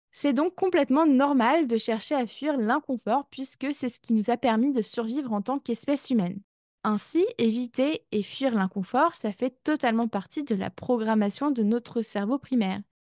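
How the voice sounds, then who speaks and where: In a dry, close recording with no echo, a woman speaks with a high pitch. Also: ordinary pitch variation, moderate pace, quiet background. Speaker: life coach, podcast host. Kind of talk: solo podcast monologue.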